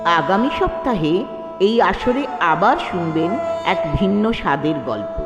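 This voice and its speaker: A woman's voice: lowish voice, sing-song, a little slow. A woman announcer reading the scripted closing credits of a show. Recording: echoey hall, loud violin music behind. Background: loud string music.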